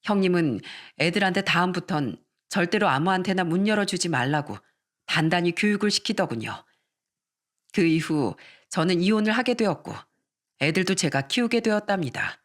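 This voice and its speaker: Steady dramatized story narrator. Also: medium pitch, moderate pace.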